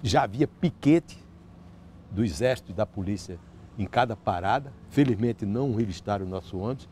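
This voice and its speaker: An older man with a Northeastern Brazilian accent recounts a memory in an interview, gesturing as he talks and often restarting his sentences. His voice is mellow and warm, picked up on a lapel mic outdoors, with a faint background hum. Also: on the low side, moderate pace. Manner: animated storytelling with many restarts and gestures. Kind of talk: recounting a personal story. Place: outdoor terrace by a park.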